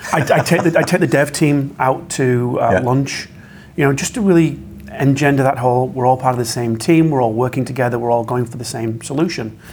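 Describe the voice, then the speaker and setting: Someone with a Yorkshire accent talks at a fairly quick pace with ordinary pitch variation. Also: man, medium pitch for a man. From Yorkshire, England. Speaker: SEO specialist. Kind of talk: podcast interview.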